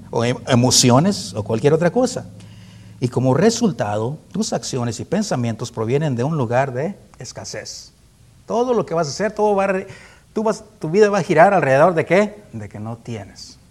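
A man's voice: a little high, a little mellow. A man preaching in a conversational Bible-teaching style, asking rhetorical questions, constantly checking in with his listeners, and chuckling often. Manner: rhetorical questions with frequent tag questions.

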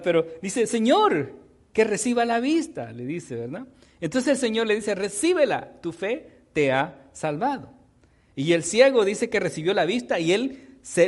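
A man preaching a lively sermon. His high voice rises and falls a great deal, and he keeps drawing in the congregation with questions and jokes.

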